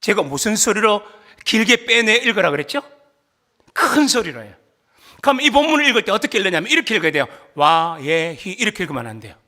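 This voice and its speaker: High, bright-voiced male pastor preaching. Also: a little fast. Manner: animated preaching, rising to shouts for emphasis; asks the congregation questions and leads group reading. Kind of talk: sermon.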